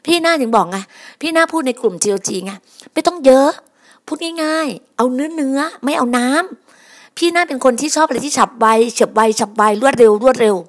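A woman's voice: high-pitched, expressive, fairly quick. A woman preaching a sermon on her podcast, emphatic and repetitive, often addressing her listeners as brothers and sisters.

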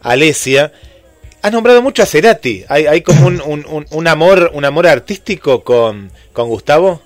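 A man hosting an interview, asking questions in a measured, conversational way. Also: fairly high pitch, expressive, dry recording, faint music behind. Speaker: host.

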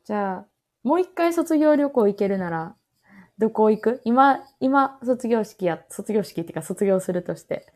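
A woman's voice: a little high, animated, moderate pace, darkish tone. A woman in her twenties with a Kansai Japanese accent, hosting a casual chat among friends in a chatty, giggly way. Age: 20s. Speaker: podcast host.

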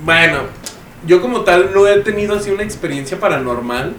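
A man's voice: sits high, expressive, fairly quick, fairly bright tone, soft background music. A young man with a Mexican accent, a podcast co-host who tells stories in a chatty, rambling way and often cuts in. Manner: chatty, rambling, keeps cutting in. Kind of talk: casual storytelling among friends. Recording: echoey room, off-mic, faint noise.

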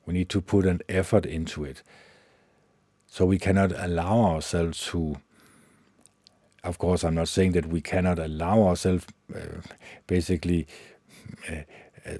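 A Danish-accented man hosting a solo meditation podcast, talking haltingly with many fillers and restarts. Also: deep voice, dark tone, no room sound. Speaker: podcast host.

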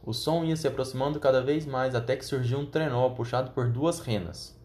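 A man with a mid-range voice reads a children's fantasy aloud as an audiobook. His telling is calm, steady and measured. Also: medium pitch. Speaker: narrator. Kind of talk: audiobook reading.

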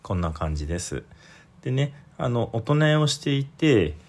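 A Buddhist priest giving a dharma talk, explaining patiently with frequent soft fillers as he goes. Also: medium pitch, very animated, normal speed, a little hiss or hum.

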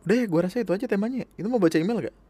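A man with hosting a casual podcast, reading a listener's email aloud and chatting in an animated, laughing way with plenty of swearing. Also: sits high, husky. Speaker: podcast host.

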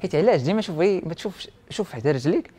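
Young moroccan arabic guy chatting rapid fire, drops french words everywhere, tells stories with quoted bits. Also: fairly high pitch, animated, a crowd in the background. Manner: mixes French words into his speech. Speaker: interview guest; printing and IT technician. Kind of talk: casual personal storytelling in conversation.

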